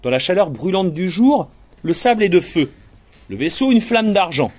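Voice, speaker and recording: A male audiobook narrator with a fairly high voice reads in a hushed, dreamy first person. His pitch moves a lot, sinking to near murmurs and rising again. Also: big pitch swings, normal speed. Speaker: audiobook reader. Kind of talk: scripted narration.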